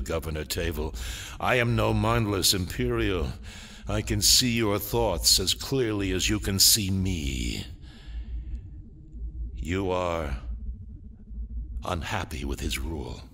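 A man playing a brooding, power-hungry dark lord in a sci-fi audio drama, with a theatrical, ominous delivery. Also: sits low, slow, slight background noise, exaggerated voice. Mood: menacing.

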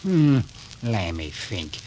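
An actor playing a suspicious old cemetery caretaker, drawling and stubborn, in a 1940s radio drama. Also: male voice, lowish voice, big pitch swings, takes it slowly, mellow, rough recording. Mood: gruff. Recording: old radio recording with faint hiss.

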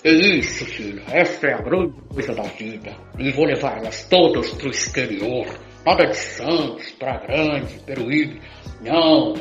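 A man's voice: medium pitch, animated, unhurried, close to an everyday voice. Boastful Brazilian womanizing dad, acted by an older man, radio drama, roomy lo-fi sound. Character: boastful womanizing father wooing many women. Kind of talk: amateur radio drama acting. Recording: echoey, dull lo-fi audio with music.

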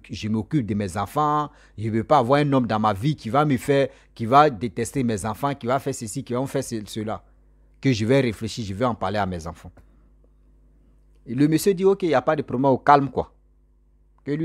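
A man's voice: medium pitch, no echo. A young man, telling a story casually and animatedly into a close studio mic in a small room, repeating words for effect. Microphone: studio mic on stand, close.

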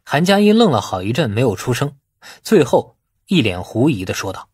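A man with a husky voice narrating a novel in a dramatic, scripted audiobook style. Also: mid-range voice, big pitch swings, moderate pace, a little mellow, dry recording, clean studio sound.

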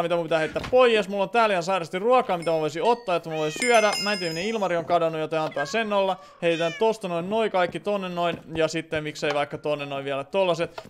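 A man's voice: high voice, fairly bright tone, a little hiss or hum. A man casually commentating his game stream, playful and chatty with lots of fillers.

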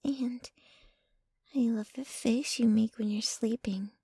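A woman playing a possessive, jealous young girlfriend in an intimate ASMR roleplay, sweetly menacing, with a breathy voice that often drops to a whisper and a cooing, clinging manner. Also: fairly high pitch, steady tone, dark tone, dry recording, studio quality, heavily acted. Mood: adoring, tender. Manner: slow, cooing, clinging to the listener.

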